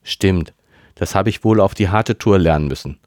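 A thoughtful teenage girl who opens up quietly, as a man reading a story puts her on. Her lines sit above a very low baseline. The recording is close and dry. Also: normal speed, dry recording, lightly acted. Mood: thoughtful, confiding. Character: teenage girl, reflective and open.

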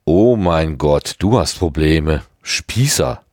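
A man reading aloud, voicing a sharp-tongued, scheming teenage schoolgirl with a lightly raised voice. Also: low voice, very animated, moderate pace, dry recording, clean studio sound, full character voice.

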